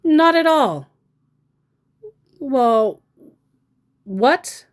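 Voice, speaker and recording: A woman's voice: sits high, expressive, extremely slow. A woman who baits scammers, narrating a casual vlog with a sarcastic, mocking manner. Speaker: scam baiter.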